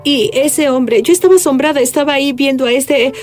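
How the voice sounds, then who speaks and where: A woman's voice: high-pitched, fairly quick, darkish tone, soft background music. A woman whose first language is Turkish, a guest telling her faith testimony earnestly, with hesitant restarts. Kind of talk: testimony in an interview.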